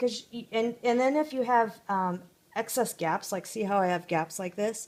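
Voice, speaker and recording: A woman speaks at a fairly slow pace with ordinary pitch variation. She has an unremarkable speaking voice. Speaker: home cooking vlogger. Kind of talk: tutorial. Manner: casual, chatty with fillers.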